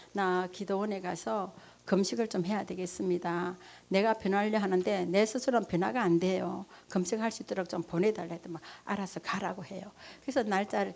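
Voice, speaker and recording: A woman's voice: medium pitch, vocal fry, a little mellow. A middle-aged woman, a pastor's wife, giving an emotional sermon testimony and acting out her own prayers and conversations.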